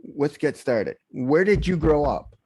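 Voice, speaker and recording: A man's voice: fairly high pitch, very animated, unhurried, a little mellow, slightly rough, no echo, poor audio. A man hosting a podcast interview, asking questions plainly and chatting casually. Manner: direct, reads questions plainly. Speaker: podcast host.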